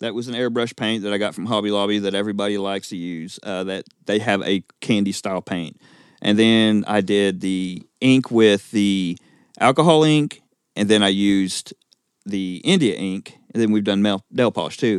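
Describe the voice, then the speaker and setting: A moderate pace and ordinary pitch variation in an ordinary speaking voice, with a dry, close sound and no echo. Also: man, fairly low pitch for a man. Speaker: YouTube channel creator. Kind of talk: casual chat. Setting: studio. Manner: joking, self-deprecating.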